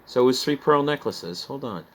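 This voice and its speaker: Man, midwestern american accent, rambling, casual chatty reseller, mid pitch. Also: lively intonation, normal speed. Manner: rambling, chatty, laughs at himself. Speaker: online reseller. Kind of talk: casual sales recap chat.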